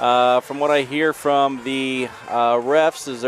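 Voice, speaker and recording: A man's medium-pitched voice with an American accent, monotone, flat intonation, and noticeable background noise. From Ohio, Maumee. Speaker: football color commentator. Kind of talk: live sports commentary. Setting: press box at football stadium.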